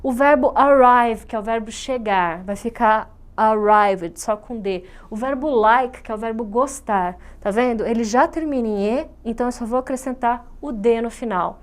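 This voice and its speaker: A woman's voice: fairly high pitch, moderate pace, few pauses. A Brazilian woman English teacher giving a recorded online grammar lesson in a patient, explanatory way, often checking understanding. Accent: Brazilian Portuguese.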